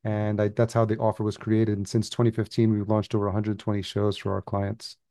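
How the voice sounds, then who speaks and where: A man's voice: lowish voice, completely flat delivery, a little fast, mellow, dry recording, clean studio sound. A man from El Salvador, a podcast agency founder, telling his story as a guest in a casual interview and laughing easily.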